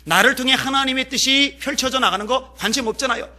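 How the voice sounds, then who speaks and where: A male pastor preaching a sermon, telling a story with lively delivery and acting out the characters' lines. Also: very high voice, fast talker.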